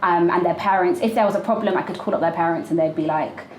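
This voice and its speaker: A woman's voice: fairly low pitch, quick pace. A woman, chatting casually as an interview guest, giggly and full of ums. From London, UK. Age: 20s. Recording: echoey room, faint background noise.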